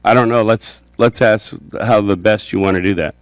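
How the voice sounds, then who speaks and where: A man's voice: on the low side, fairly even intonation, normal speed, smooth, no room sound. Casual man chairing a meeting. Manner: casual and brief.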